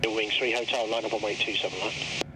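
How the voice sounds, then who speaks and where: A man working as an air traffic controller, giving brisk, businesslike clearances in clipped procedural phrases over aviation radio. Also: on the low side, fairly even intonation, distant mic. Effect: air band radio transmission. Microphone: aviation radio link.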